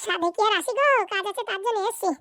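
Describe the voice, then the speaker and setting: A woman's voice: extremely high pitch, fast talker, a bit bright, no room sound. A woman voicing a bossy, impatient female politician in a comedy cartoon, curt and insistent.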